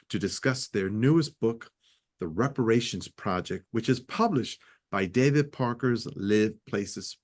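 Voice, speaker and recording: A man hosting a radio interview show, greeting his in-studio guests with formal, effusive welcomes. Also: fairly low pitch.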